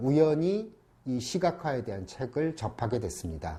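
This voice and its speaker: A man speaks very slowly at a medium pitch, his voice somewhat breathy. His tone is dark and mellow. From Seoul. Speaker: psychiatrist lecturer. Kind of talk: lecture. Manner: halting, many fillers.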